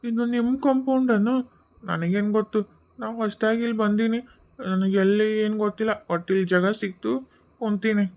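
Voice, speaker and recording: A woman's voice: medium pitch, fairly even intonation, a little fast, a little mellow, natural voice. A woman with a North Karnataka Kannada accent, voicing a self-pitying male ghost in a cartoon. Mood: plaintive. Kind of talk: cartoon voice acting.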